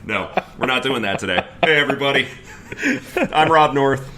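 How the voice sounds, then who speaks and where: A man co-hosting a casual podcast, laughing often and dropping quick asides as he leads the talk. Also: mid-range voice, lively intonation, sharp tone, a little hiss or hum. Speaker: podcast co-host.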